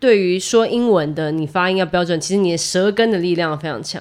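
Fairly low in pitch, a woman speaks at a moderate pace with lively intonation. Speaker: musician and singer. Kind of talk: interview conversation.

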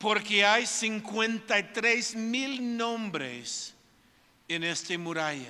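In a very slow, raised, projected voice, a man with a high pitch and a bright, sharp tone speaks with ordinary pitch variation amid audible room echo. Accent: English. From US West, California. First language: English (speaking Spanish). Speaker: pastor. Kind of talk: sermon.

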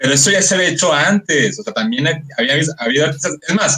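A man with a Mexican accent, fairly high pitch, ordinary pitch variation and a moderate pace. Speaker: podcast guest. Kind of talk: casual chat.

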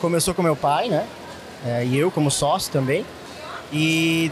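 Noticeable background noise accompanies a man speaking at a moderate pace with a fairly high pitch. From Santa Catarina, Brazil. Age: 30s. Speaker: marble workshop owner. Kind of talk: podcast interview. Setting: trade fair booth.

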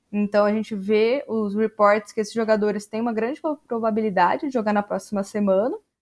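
Speaking at a fairly quick pace, a woman with a plain, everyday voice keeps a fairly high pitch and fairly even intonation. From Brazil, Santos. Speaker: psychotherapist. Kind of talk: casual chat.

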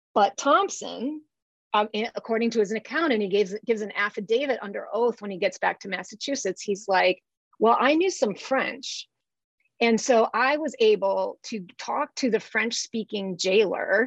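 Dry and close with no echo, a woman with an American accent and an ordinary speaking voice talks at a moderate pace, fairly high in pitch, with ordinary pitch variation. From US Midwest, Illinois. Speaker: history professor. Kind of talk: lecture-style interview answers.

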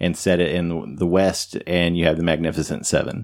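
A man talks in an Eastern Kentucky accent with a very deep, low pitch. The recording is very clean, with a silent background. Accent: Eastern Kentucky Appalachian. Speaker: podcast host. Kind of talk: casual chat.

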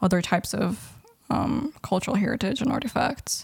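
A woman speaks with fairly low pitch and a dark, mellow tone. The recording is very clean with a silent background. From Mexico, Monterrey, Russian household. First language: Russian. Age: 20s. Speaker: art history student and poet. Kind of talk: casual chat.

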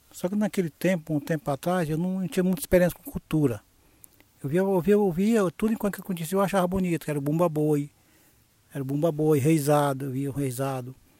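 With a dry, close sound and no echo, a man speaks fairly quickly in a dark, mellow tone, at a fairly high pitch with ordinary pitch variation. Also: long, frequent pauses. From Brazil, Maranhão (Jussara). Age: 50s. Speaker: folk group founder. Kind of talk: interview. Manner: halting, repetitive.

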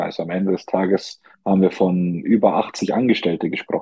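Here is a man with a very deep, low pitch. His intonation stays fairly even. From Germany, Allgäu (Bavaria). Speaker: real estate consultant and entrepreneur. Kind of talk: interview.

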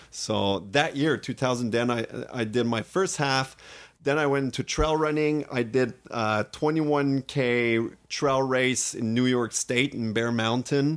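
The speaker has a French accent and keeps a fairly slow pace with fairly even intonation. The recording is very clean, with a silent background. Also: man, medium pitch for a man. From Ottawa area, Canada. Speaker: running and strength coach, ultramarathon runner. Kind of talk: casual interview chat.

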